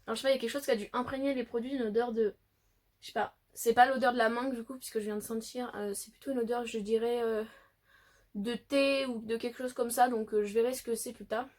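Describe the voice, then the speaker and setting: A woman's voice: a little high, fairly even intonation, fast talker, darkish tone. A woman vlogger chatting casually through an unboxing, thinking aloud with lots of fillers. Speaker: beauty vlogger.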